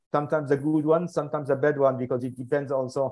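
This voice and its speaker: A man with a French accent, fairly high pitch, very fast pace and fairly even intonation. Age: 70s. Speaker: amateur researcher presenter. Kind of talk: panel discussion Q&A. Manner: halting.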